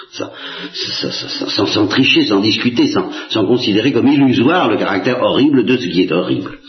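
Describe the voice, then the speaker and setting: A man giving a reflective religious talk, hesitating and repeating words while making emphatic appeals to his listeners. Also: lowish voice. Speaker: spiritual lecturer answering questions. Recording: dull lo-fi archival recording in echoey room.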